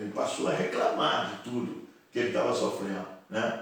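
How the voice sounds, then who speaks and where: A man talks, and audible room echo surrounds his words. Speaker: bible teacher. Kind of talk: bible lesson. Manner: halting, many fillers and repetitions.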